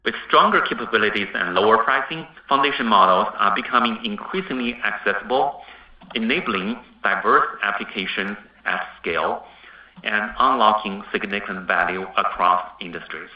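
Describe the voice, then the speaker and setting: A man in the role of a company executive reads scripted earnings call remarks in a formal, measured way. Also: fairly low pitch. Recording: dull, roomy, distant conference-call audio.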